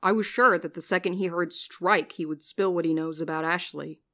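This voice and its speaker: A woman's voice: lowish voice, steady tone, normal speed, fairly bright tone. A woman playing a jaded, sleep-deprived young courier with a dry, sarcastic way of talking in a fiction podcast. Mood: confessional, bitter. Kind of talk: audio fiction podcast acting.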